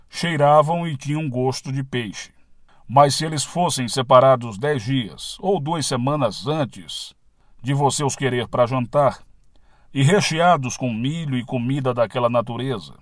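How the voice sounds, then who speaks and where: A man with a Brazilian accent reading a spiritual lecture as scripted narration, in a measured, didactic way. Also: mid-range voice, dry recording, clean studio sound.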